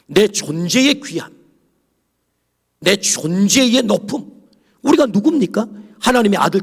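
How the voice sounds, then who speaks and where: Korean pastor man preaching, high lively voice, kinda husky, big church echo. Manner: animated preaching, whispering asides and acting out quoted voices. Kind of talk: sermon. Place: church sanctuary. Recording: long church hall reverb.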